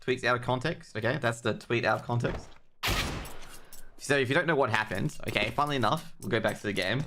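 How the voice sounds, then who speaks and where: A man's voice: mid-range voice, fairly quick. A man doing casual, jokey live commentary on an esports match and chatting informally with his viewers. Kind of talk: casual live game commentary with chat banter. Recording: clear background noise with clicks.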